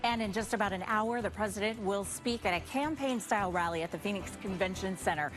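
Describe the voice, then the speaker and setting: A woman's voice: medium pitch, a little fast. A woman with an American accent reading local news stories as a television co-anchor. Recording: music bed under broadcast voice.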